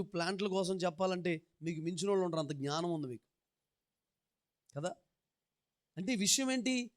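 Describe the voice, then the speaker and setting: A man's voice: sits high, fairly bright tone. A male pastor preaching a sermon, telling folksy stories and leading the congregation in repeating verses in rhythmic, repeated phrases.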